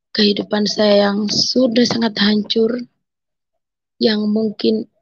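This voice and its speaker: A woman giving an emotional personal conversion testimony, telling her story haltingly and voicing her own thoughts as she speaks. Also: mid-range voice, gravelly, husky, dry recording, muffled recording. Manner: emotional, halting storytelling with quoted inner speech.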